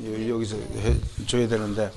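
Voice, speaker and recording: A middle-aged male pastor with a Gyeongsang accent, preaching a sermon lecture in a lively, animated way, often mimicking others. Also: on the low side, moderate pace, gravelly. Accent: Gyeongsang Korean. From Gyeongsang region, Korea. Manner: lively, animated, mimics people in quoted voices.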